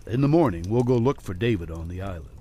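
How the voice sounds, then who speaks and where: A man voicing a steady, commanding man calming a companion in a horror story reading. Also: fairly low pitch, fast talker, slightly rough, pitched below the performer's own voice. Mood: firm, reassuring.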